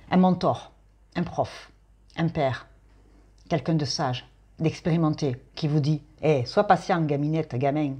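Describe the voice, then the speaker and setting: A woman's voice: low voice, darkish tone, slightly rough. A woman doing a chatty, playful tarot reading, full of fillers and asides. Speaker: tarot reader.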